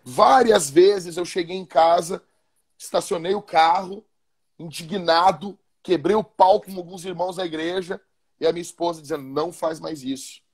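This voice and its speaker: A man's voice: sits high, fairly even intonation, normal speed, husky. A male pastor, talking casually and animatedly, often repeating and restarting his words. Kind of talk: casual podcast talk about marriage.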